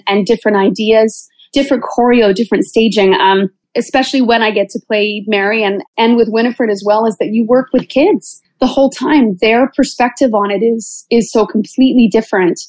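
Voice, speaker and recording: A woman speaks as the guest in an interview, answering in a conversational way. Her voice sits a bit high, and the recording is dry. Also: darkish tone, no room sound, low-quality recording. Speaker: interview guest, musical theater actress.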